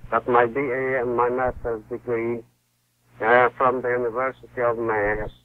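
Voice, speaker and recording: A man in his sixties from Palestine, a guest author speaking in a halting way with many fillers and restarts. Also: mid-range voice, flat delivery. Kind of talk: phone-in interview. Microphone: telephone. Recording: tinny phone line.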